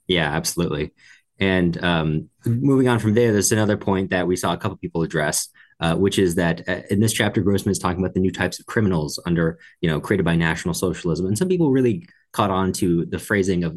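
Deep, fast-talking man. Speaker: podcast co-host. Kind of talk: book discussion, reading out listener comments.

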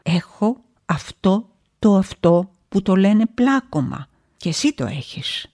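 A woman hosts a monologue podcast with a theatrical, emotive delivery. She jumps from loud outbursts to near-whispered asides. Her voice sits at a middling pitch. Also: big pitch swings. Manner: theatrical, emotive, shifting between loud exclamations and hushed asides. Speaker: podcast host.

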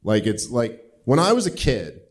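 A man's voice: mid-range voice, wildly swooping pitch, normal speed. Man, about forty, podcast host, live Q&A, rambling, swears a lot. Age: 40s. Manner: rambling, profane, lots of "like". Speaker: podcast host answering audience questions. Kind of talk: casual live Q&A talk.

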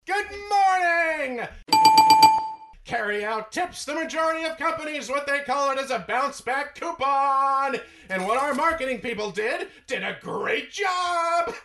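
A man playing an over-excited, bombastic corporate chief executive with a shouty, sing-song, overdramatic delivery. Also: very high voice, a little slow. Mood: bombastic excitement. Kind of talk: theatrical reenactment of an earnings call. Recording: echoey room with faint noise.

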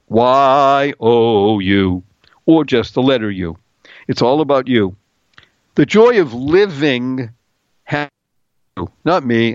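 A man's voice: mid-range voice, no echo. Man, middle-aged, radio host, upbeat, playful, spells words out, muffled dry broadcast. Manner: playful, spells out words, sings short bits. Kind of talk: upbeat solo radio talk.

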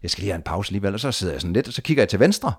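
A man telling a long story of his trip in a casual conversation, lively, with frequent restarts and repeated words. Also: on the low side, gravelly, husky.

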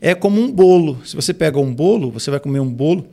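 A man's voice: on the high side, expressive, quick pace, vocal fry, mellow. A man in his forties, a pastor and music arranger, talking in a casual podcast conversation, often repeating and restarting words. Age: 40s. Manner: hesitant with frequent word repetitions.

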